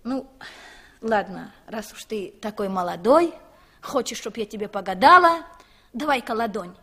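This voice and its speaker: A woman's voice: fairly high pitch, lively intonation, normal speed, sharp tone, heavily acted. An actress playing a talkative, fussy young Gypsy mother in a 1960s Soviet radio play, exclamatory and sing-song, full of repeated endearments. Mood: reluctant, coaxing.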